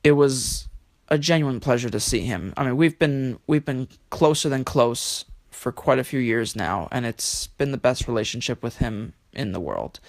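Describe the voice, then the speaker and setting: A man speaking as an interview guest, reflective and halting, telling personal stories with quirky, theatrical turns of phrase. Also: mid-range voice, lively intonation, dry recording. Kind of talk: conversational interview, personal storytelling.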